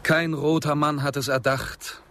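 A man's voice: on the high side, steady tone, a little slow, fairly bright tone, slight background noise. A male actor playing a dignified, poetic Native American man of the Old West, speaking formally and lyrically in a German radio drama. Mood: solemn, calm.

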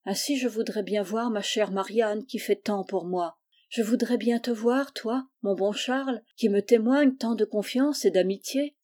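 A woman voicing a gentle, pious blind young girl in a storybook reading, soft, calm and resigned. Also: medium pitch, unhurried, natural voice.

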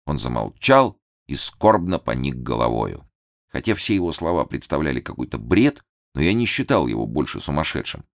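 A man reading a novel aloud as an expressive audiobook narrator. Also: very deep voice, moderate pace, vocal fry, no room sound, studio quality. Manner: expressive storytelling. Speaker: audiobook reader. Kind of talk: scripted narration.

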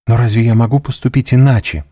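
A man's voice: steady tone, fast talker, dark tone, no echo, studio quality, natural voice. A man reading an audiobook, voicing a young noblewoman in raised, pleading, distressed tones. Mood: indignant. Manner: raised pitch, tearful urgency.

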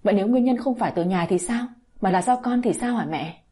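A woman reading the lines of a torn, gentle young husband in a story, softly and wearily. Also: mid-range voice, animated, moderate pace, husky. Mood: pleading. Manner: soft, weary.

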